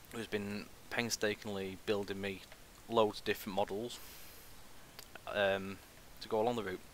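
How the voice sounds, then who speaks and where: A man speaks at a moderate pace in a fairly low, flat monotone, the sound dry with no echo and light background noise. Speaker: streamer. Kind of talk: live stream commentary. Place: home room. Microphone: headset.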